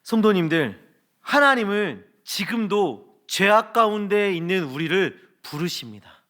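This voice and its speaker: A male pastor in his thirties preaching in a church. His voice sits high and rings bright. He swings his pitch widely as he tells stories and asks rhetorical questions. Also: measured pace. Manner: animated storytelling with rhetorical questions. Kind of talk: sermon.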